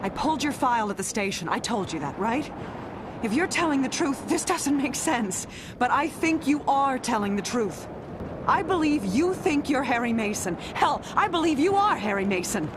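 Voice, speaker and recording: A woman's voice: high-pitched, big pitch swings, moderate pace. A woman playing a disillusioned police officer in a video game drama, speaking frankly and earnestly in a subdued manner. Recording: loud ambient noise behind voice.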